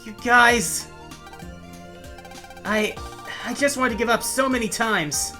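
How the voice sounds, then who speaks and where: A woman voicing an earnest, gentle young boy hero in a game story, speaking sincerely and a little hesitantly. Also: fairly high pitch, slow pace, over music. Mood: heartfelt. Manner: soft-hearted, sincere, hesitant.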